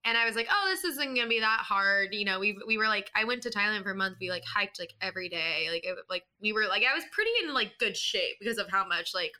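A woman hosting a podcast, her voice hoarse and raspy. It is still very bright and sharp underneath, and she chats along in an upbeat, rambling way full of fillers. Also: mid-range voice, animated, fast talker, hardly any pauses. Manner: chatty, upbeat, lots of filler words. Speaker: podcast host. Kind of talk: casual chat.

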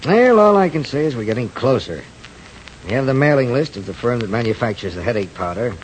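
An actor playing a methodical police lieutenant in an old radio crime drama. His mid-pitched voice moves expressively through each line, and the tone stays firm and measured. A faint hiss runs under it. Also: lively intonation, close to an everyday voice, rough recording. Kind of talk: 1940s radio acting.

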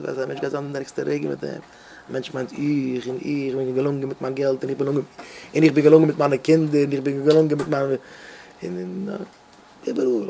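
An excitable man with a Hasidic Yiddish accent preaches a sermon, his voice sitting at an ordinary middle pitch. He tells his stories with lively energy and keeps restarting his phrases. A faint hiss of noise runs under the recording. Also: gravelly. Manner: excitable, animated storytelling with many restarts. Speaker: rabbi.

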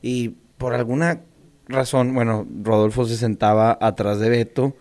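Young Mexican guy, casual storyteller, slangy and animated. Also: medium pitch, a little slow. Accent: Mexican Spanish. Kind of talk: casual chat, telling a school story.

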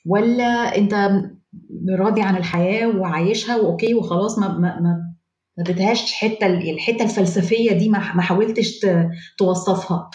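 A woman with an Egyptian Arabic accent co-hosts a podcast, talking quickly, playfully and emphatically. Her voice sits at an ordinary middle pitch. Her recording has a roomy echo. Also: darkish tone, lo-fi sound. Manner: playful and emphatic, laughs often. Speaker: podcast co-host. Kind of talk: casual podcast conversation.

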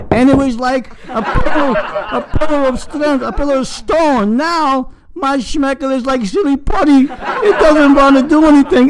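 A man playing a fretful old Jewish man who rambles and preaches in a complaining way. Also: high-pitched. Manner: kvetching, rambling, sermon-like. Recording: noisy, with crowd chatter behind.

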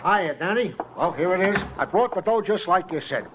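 An actor playing a cheerful, naive police sidekick who chats in an easygoing way. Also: male voice, high voice, lively intonation, moderate pace. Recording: dull noisy old radio recording.

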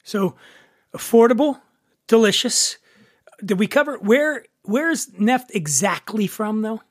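Man, philly accent, podcast host, higher voice, laid-back joking chat. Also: animated, takes it slowly. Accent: Philadelphia. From Philadelphia. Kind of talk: casual chat.

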